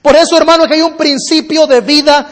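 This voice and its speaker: A man preaching in a church hall tells a parable, repeating phrases in rhythm as he builds slowly. His voice is very high for a man. A long reverb rings through the hall. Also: steady tone. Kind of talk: sermon with storytelling.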